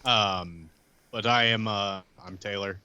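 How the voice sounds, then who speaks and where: Man, deep voice, lively pitch, casual podcast chat, close dry sound. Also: slow pace, clean tone, no echo, lo-fi sound. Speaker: podcast player.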